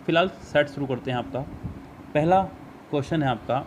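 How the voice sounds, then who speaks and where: A man with an Indian accent, a Hindi speaker, tutoring for an English exam over a screen recording, patiently explaining and reading English sentences slowly. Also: on the high side, a little hiss or hum. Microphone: screen recorder mic.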